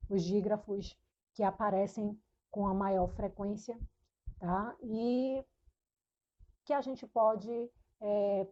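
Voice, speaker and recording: A woman teacher giving a recorded lesson to children, speaking slowly and patiently, repeating sounds and asking questions, with a Brazilian Portuguese accent. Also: mid-range voice, warm tone, dull audio. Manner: slow, patient, repeats syllables and asks questions. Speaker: primary school teacher.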